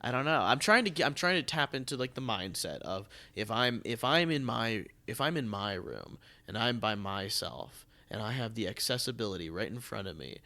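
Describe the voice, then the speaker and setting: An American man hosting a casual podcast conversation, musing in a halting way as he thinks aloud. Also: fairly low pitch, lively intonation, bright, forceful tone. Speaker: podcast host and theatre artistic director.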